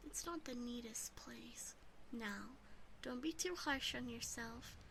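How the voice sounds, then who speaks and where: A woman acts out an affectionate, possessive demon sister with a touch of haughty embarrassment. The voice is very high and soft, slow and breathy, often near a whisper in a close-miked ASMR roleplay with faint noise behind it. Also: heavily acted. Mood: tender, explaining. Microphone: close binaural microphone.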